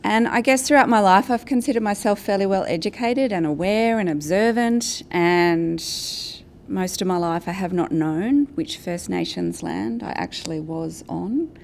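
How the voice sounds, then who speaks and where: An Australian woman giving a prepared conference presentation as a guest speaker, in a measured, structured way. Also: mid-range voice, creaky, a little mellow, slight background noise. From Australia, New South Wales and Brisbane. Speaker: guest speaker, advocacy and communications director. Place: event venue with an in-person audience.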